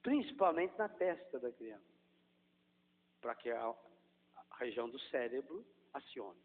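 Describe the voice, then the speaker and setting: Priest preaching in an echoey hall. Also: male voice, mid-range voice, measured pace. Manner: animated preaching that swings from hushed demonstration to loud emphasis. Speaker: Catholic priest. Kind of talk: sermon. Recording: echoey hall over a tinny, phone-like line.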